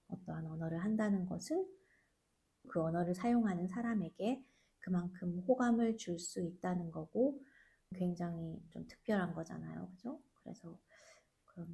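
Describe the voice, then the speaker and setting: A woman hosting a Korean-learning podcast, explaining a book in a soft, thoughtful way and asking listeners questions. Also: on the low side, gravelly. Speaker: Korean teacher and podcast host.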